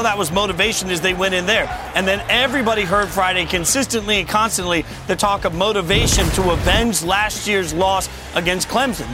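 A man hosting a sports talk show with a scratchy voice, steering the panel with brisk questions. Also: sits high. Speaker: studio host.

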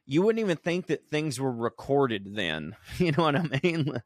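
Male podcast co-host, mid pitch, profane and rambling, dry close sound. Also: very animated, a little slow, dry recording. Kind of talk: casual comedic chat. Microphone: remote recording.

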